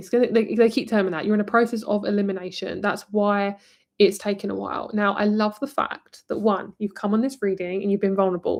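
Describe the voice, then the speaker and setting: In an English accent, a woman speaks at a medium pitch with fairly even intonation over a quiet background. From near London. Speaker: livestream card reader.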